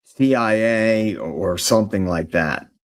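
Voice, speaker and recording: With a Northeast US accent, a man talks at a fairly slow pace in a fairly low pitch, on a very clean recording with a silent background. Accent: faint Northeast US. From US Northeast (NY/NJ/Philly tri-state area). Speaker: livestream host. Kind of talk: casual livestream chat. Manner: casual, slangy, filler-heavy.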